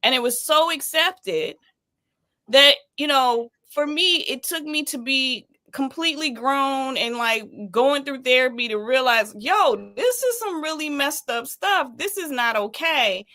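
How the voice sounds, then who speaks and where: A woman's voice: high voice, unhurried. A woman in her late forties hosting a casual live chat, telling stories in an emphatic, colloquial way. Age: 40s. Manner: animated, emphatic storytelling with colloquial asides. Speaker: podcast host.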